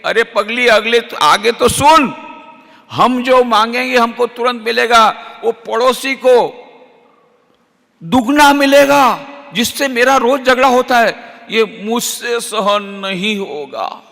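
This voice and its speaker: A man's voice: very high voice, slow, gravelly, big-room sound, pitched above the performer's own voice, exaggerated voice. A man acting out a wailing, spiteful husband. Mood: scolding. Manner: wailing, lamenting loudly. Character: poor jealous husband, spiteful toward neighbor.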